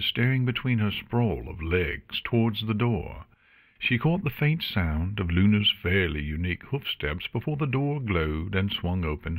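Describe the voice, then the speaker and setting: Guy narrating a fantasy audiobook, kinda low n husky, expressive storytelling. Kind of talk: expressive scripted fiction narration.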